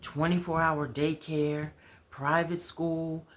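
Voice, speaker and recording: Woman reading an animated, easygoing male friend, pitched up. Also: takes it slowly. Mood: proud, wistful. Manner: casual, animated, colloquial. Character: easygoing male friend, sociable businessman with teaching dreams. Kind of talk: storybook dialogue reading.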